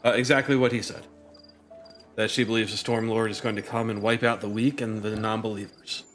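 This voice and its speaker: A man's voice: fairly low pitch, little pitch movement, brisk, a bit bright, soft background music. A man narrating as game master of a tabletop game, hesitant, with many ums and uhs.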